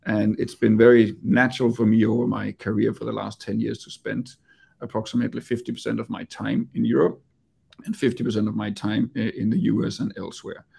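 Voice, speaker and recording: Gravelly Danish-accented man on a video call. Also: fairly low pitch, level tone, brisk, mellow. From Denmark. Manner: hesitant, repeats words while speaking. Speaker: company executive. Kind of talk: investor presentation.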